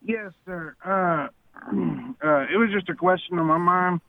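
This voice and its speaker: A man speaking haltingly and politely as a caller over a phone line. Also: sits high, creaky, dry recording. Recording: tinny, narrow phone line.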